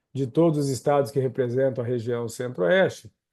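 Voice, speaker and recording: A man speaks in an ordinary speaking voice at medium pitch, with ordinary pitch variation. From Goiás, Brazil. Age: 40s. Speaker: HR executive and speaker. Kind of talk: webinar talk.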